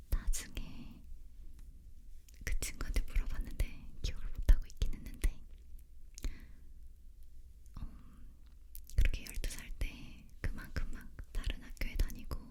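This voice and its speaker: A woman leaning in to whisper an ASMR story in a breathy, unvoiced voice, very close to the microphone. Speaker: ASMR creator telling a personal story.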